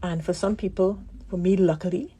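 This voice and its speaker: A woman physician giving a radio interview, with a croaky voice from a damaged vocal cord nerve, explaining things calmly with many pauses. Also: fairly low pitch, a little hiss or hum. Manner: calm, explanatory, pauses often.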